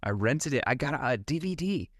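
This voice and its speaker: A young man co-hosting a movie podcast, telling lively stories from childhood with his voice jumping up for quotes. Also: normal speed, no echo, clean studio sound. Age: young adult. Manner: animated storyteller, jumps pitch for quoted voices. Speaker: podcast co-host. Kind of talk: casual chat about movies.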